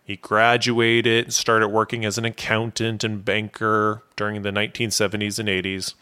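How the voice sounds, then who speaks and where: A man hosting a podcast, reading a scripted history narration in a steady, explanatory way. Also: on the low side, normal speed, clean tone. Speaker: podcast host.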